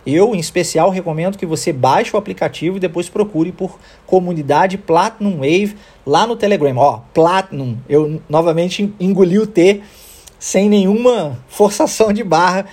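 A man's voice: sits high, moderate pace, a little mellow, husky. A man with a Brazilian Portuguese accent, an English teacher explaining pronunciation in a podcast lesson and often checking in with his listeners.

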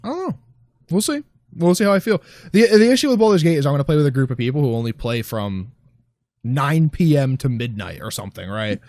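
A man's voice: mid-range voice, very animated, a little fast, darkish tone, no room sound, clean studio sound. A man co-hosting a casual gaming chat, rambling and grumbling with plenty of swearing. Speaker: podcast co-host.

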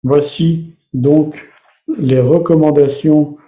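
A man's voice: fairly high pitch, fairly even intonation, takes it slowly. A man preaching a sermon, explaining and reading Bible passages aloud to the congregation. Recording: echoey room, slightly dull sound.

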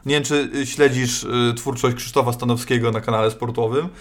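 A man's voice: mid-range voice, steady tone, fairly quick. A man co-hosting a casual talk show, often hesitating and restarting his sentences. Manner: hesitant, many restarts and fillers. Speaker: podcast host. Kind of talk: casual chat.

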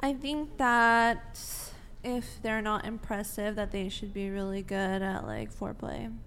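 A woman guest on a dating podcast panel, soft-spoken and curious, often giggling. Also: medium pitch, lively intonation, unhurried, slight background noise. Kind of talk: casual panel chat.

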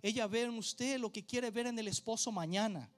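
A man's voice: high voice, moderate pace. A man preaching a sermon in a church service, speaking emphatically, repeating key phrases and addressing the congregation directly, then leading a prayer. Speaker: pastor.

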